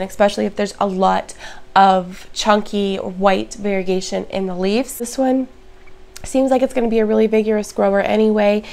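A woman chatting casually to her viewers in a plant vlog, her voice hoarse and raspy. She is upbeat and talks to the audience directly. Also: medium pitch, darkish tone. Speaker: plant vlogger. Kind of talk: casual show-and-tell vlog.

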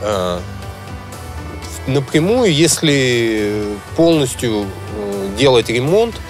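A man in his thirties, interviewed outdoors about his damaged car, speaking haltingly with many fillers. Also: medium pitch, very animated, faint music behind. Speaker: driver interviewed about a crash. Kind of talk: casual interview. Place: outdoors by a car repair yard.

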